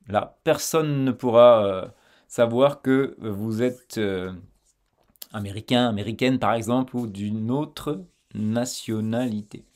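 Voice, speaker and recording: A man teaching French pronunciation, slowly modelling words and phrases and repeating them for the listener to copy. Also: mid-range voice, darkish tone. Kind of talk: pronunciation lesson.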